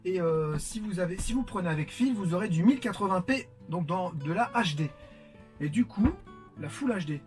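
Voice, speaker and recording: A man's voice: high voice, animated, normal speed, faint music behind. A man from France chatting casually to viewers while unboxing, with lots of fillers. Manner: chatty, many fillers, warm greetings to viewers. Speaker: vlogger.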